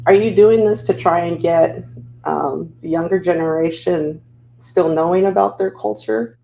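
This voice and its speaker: A woman co-hosting a radio show, asking questions and chatting in a relaxed, conversational way. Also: lowish voice, measured pace, creaky, rough recording. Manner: relaxed, conversational, with uh and you know. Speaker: guest co-host, interviewer. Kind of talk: casual radio interview.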